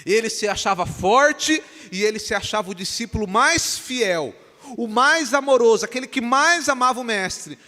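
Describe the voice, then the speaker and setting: A man from Brazil, a pastor, preaching an animated sermon in a church and acting out the dialogue of the story. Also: extremely high pitch, moderate pace. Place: church sanctuary. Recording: long church reverb.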